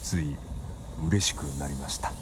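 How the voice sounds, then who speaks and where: 落ち着いて内省的に語る生理学者を演じる男性俳優。ラジオドラマの芝居。. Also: male voice, extremely low pitch, moderate pace, noisy background. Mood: reflective. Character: calm older male physiologist, wistful. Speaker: scientist in the story. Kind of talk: radio drama acting.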